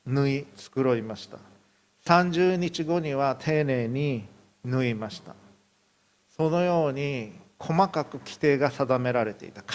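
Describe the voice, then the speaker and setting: Higher-voiced male pastor preaching. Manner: storytelling, acts out quotes. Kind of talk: sermon.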